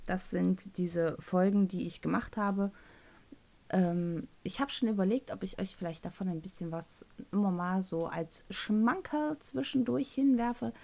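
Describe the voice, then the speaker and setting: A podcast host in her thirties talks solo and casually, wandering through her thoughts with fillers and self-corrections. Her voice is medium-pitched, creaky, and dark in tone, carrying a Thuringian German accent, and she comes from North Rhine-Westphalia, Germany.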